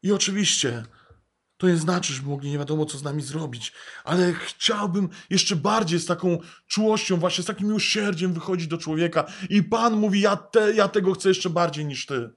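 A man's voice: sits high, moderate pace. A man preaching a sermon earnestly, repeating phrases for emphasis, a father of young children. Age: adult, father of young children.

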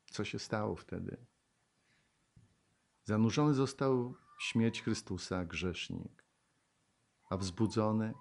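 Animated preacher, loud then hushed. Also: male voice, on the low side. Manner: animated, swings from loud exclamations to hushed tones; laughs and asks the congregation questions. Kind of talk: sermon with Bible reading.

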